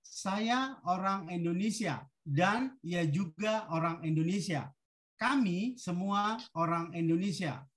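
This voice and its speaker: A woman teacher reads out short drill sentences at a very slow pace. Her delivery is deliberate and instructional, leaving each phrase ready to be repeated. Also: fairly low pitch. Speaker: language teacher. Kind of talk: language drill, reading short sentences for repetition.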